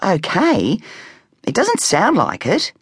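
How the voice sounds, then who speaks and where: A narrator doing a firm, worried mum. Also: female voice, mid-range voice, huge pitch swings, slow, breathy edge, dry recording, clean studio sound, pitched above the performer's own voice, full character voice. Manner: firm and insistent. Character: firm, worried mother of a teenage boy.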